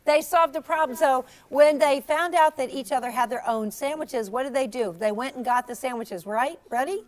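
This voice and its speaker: A woman storyteller talking with young children in an encouraging, animated, teacherly way, asking questions and praising. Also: high voice, normal speed.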